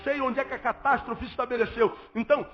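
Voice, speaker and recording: A man's voice: very high voice, steady tone, fast. A Brazilian man preaching a sermon as pastor, emphatic and repetitive, firing rhetorical questions at the congregation. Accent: Brazilian Portuguese. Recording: dull lo-fi audio with faint music.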